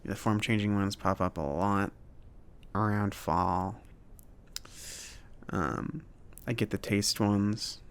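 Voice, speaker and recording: A man playing a friendly, awkward mage who runs a potion shop, speaking softly and haltingly in a casual, chatty ASMR roleplay style. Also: lowish voice, smooth. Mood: friendly, hesitant. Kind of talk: soft-spoken ASMR roleplay.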